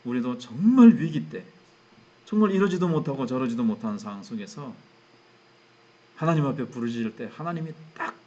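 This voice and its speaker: Middle-aged male pastor, casual expository preaching, mid-pitched, dull lo-fi sound. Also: warm tone. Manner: conversational, acts out biblical characters' inner thoughts. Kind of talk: expository sermon at midweek prayer service. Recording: dull lo-fi church recording.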